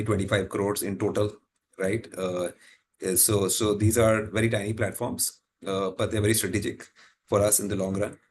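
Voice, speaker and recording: Male company executive, Indian accent, lower register, explanatory and unscripted, often restating his points. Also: a little hiss or hum. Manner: explanatory, repeats and rephrases, tags points with "right?". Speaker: company executive answering analysts. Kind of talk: unscripted business answers on an earnings call.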